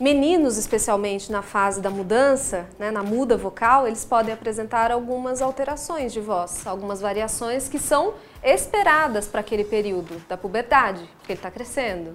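Here is a woman with a normal speaking voice, pitched fairly high, with ordinary pitch variation. She keeps a moderate pace with hardly any pauses. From Minas Gerais, Brazil. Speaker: speech therapist and vocal coach. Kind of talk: interview.

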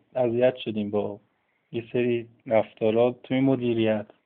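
A man at a medium pitch and moderate pace. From Iran, Shiraz. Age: 20s. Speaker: football fan podcast host. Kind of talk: casual chat.

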